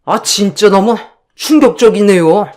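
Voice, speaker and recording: A woman's voice: mid-range voice, a little slow, darkish tone, close to an everyday voice. A woman voicing a stern young husband who scolds his sister-in-law for insulting his wife.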